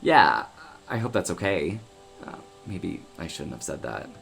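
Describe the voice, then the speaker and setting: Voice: low-pitched, sing-song, measured pace, gravelly, a bit bright, soft background music, heavily acted. A woman playing an easygoing, wry friend of a small-town oracle, talking casually and breezily in an audio drama. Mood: gentle, curious.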